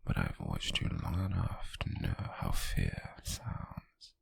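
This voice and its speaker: A British man playing an obsessive, menacing stalker in an ASMR roleplay, whispering in a teasing, possessively tender way with a breathy, gravelly voice. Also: rumbling low, big pitch swings, dry recording, exaggerated voice. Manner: slow, lingering, teasing and menacing. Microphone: very close, dry microphone.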